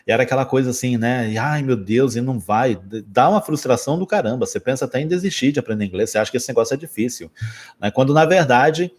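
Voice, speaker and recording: Brazilian man teaching in lively asides. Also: medium pitch. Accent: Brazilian Portuguese. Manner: lively, joking, quick asides and self-corrections. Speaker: English teacher. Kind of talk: casual spoken lesson.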